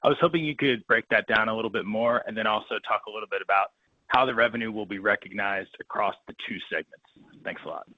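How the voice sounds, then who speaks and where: Low-voiced male analyst, dull dry audio. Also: quick pace, dry recording. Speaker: financial analyst caller. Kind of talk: prepared question on an earnings call.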